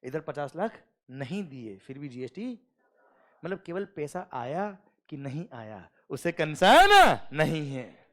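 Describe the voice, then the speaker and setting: A man's voice: fairly high pitch, very animated, slow pace, a bit bright. A middle-aged man lecturing a classroom on tax, telling a story and acting out its dialogue, often questioning his students. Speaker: GST lecturer. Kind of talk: classroom lecture with acted anecdote.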